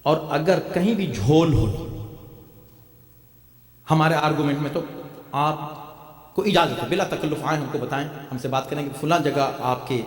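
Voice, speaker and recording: A man preaching a majlis sermon to a congregation, with a rhetorical style that builds to impassioned shouts. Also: on the high side, pauses often. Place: large hall before a congregation. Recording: echoey hall, distant mic.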